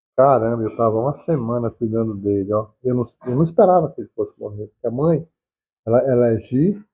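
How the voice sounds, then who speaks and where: The speaker talks at a fairly quick pace with a somewhat breathy quality. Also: man, medium pitch for a man, ordinary pitch variation. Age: 60s. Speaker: dairy farmer. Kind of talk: interview, casual storytelling. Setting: on a farm.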